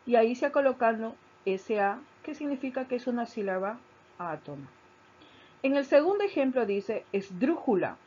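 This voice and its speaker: A woman teacher giving a recorded grammar lesson, explaining slowly, stressing key syllables and repeating her points. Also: on the high side, expressive, darkish tone, husky. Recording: dull lo-fi recording.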